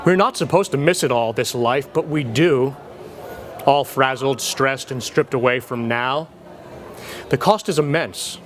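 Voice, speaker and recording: A man giving an earnest, measured reading of a scripted motivational text. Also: medium pitch, fairly bright tone, slight background noise.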